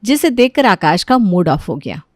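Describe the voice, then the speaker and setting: A woman's voice: medium pitch, very animated, moderate pace, no echo, studio quality. Woman telling a bedtime story. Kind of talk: children's bedtime story narration.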